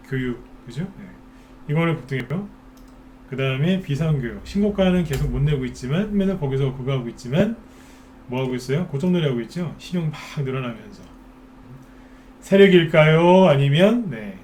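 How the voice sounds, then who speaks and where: A man's voice: mid-range voice, dark tone, slight background noise. A man hosting a stock market broadcast, talking casually and firing off rhetorical questions, often mimicking worried investors. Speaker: stock market expert host.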